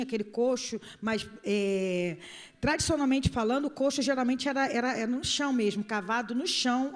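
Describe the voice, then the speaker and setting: Brazilian lady pastor, pretty high voice, preaching casual but emphatic, keeps repeating stuff and asking the church questions. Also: big-room sound. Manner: emphatic, repeats phrases, puts questions to listeners. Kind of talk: informal sermon with acted asides and scripture reading.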